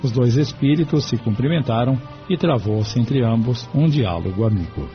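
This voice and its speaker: A man narrating a spiritist radio drama in a measured, solemn reading. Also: mid-range voice, animated. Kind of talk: scripted audiobook narration. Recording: dull lo-fi radio recording. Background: music.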